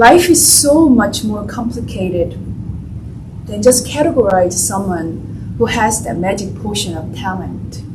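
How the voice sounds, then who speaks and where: A woman speaks at a fairly slow pace with big swings in loudness, audible room echo and noticeable background noise. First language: not English. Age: 40s. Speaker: classical pianist and author. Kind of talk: author talk. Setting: library event with audience.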